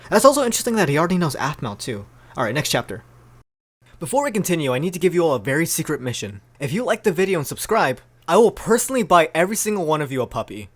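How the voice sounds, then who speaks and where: A young man hosting a fan fiction reading, moving between narration and chatty, animated reactions. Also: on the high side, fast. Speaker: video host reading fan fiction aloud. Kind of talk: casual storybook reading with chatty commentary.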